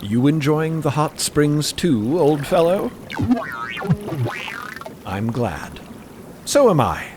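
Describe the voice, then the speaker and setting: Man acting a gentle, musing, halting man. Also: fairly high pitch, big pitch swings, background noise, voice pushed up. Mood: fond. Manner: halting, drawn-out phrasing. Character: musing biological man, formerly a machine, earnest and gentle. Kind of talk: dramatised audio fiction dialogue.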